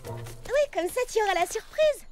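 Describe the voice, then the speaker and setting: A woman's voice: very high voice, lively intonation, moderate pace, music in the background. A woman voicing a bubbly, loyal young girl in a children's cartoon, with a breezy, confident, reassuring manner. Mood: reassuring, eager. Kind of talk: animated children's cartoon dub.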